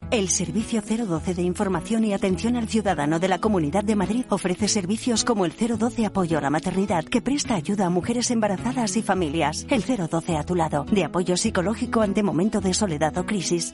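A woman reading a scripted public service announcement on the radio, calm and informative. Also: fairly low pitch.

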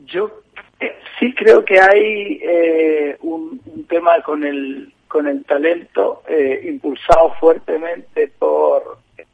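A man from Chile speaks in a rough, gravelly, slightly husky voice, with a pitch a little above the usual. He picks his words as he goes, with pauses and restarts. The sound comes through a thin, tinny phone line. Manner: thoughtful, many hesitations and restarts. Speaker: agency partner, guest. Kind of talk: conversational podcast interview.

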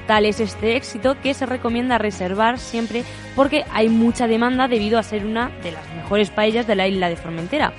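A woman co-presenter reading a scripted radio report smoothly. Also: on the high side, a little fast. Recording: music bed behind.

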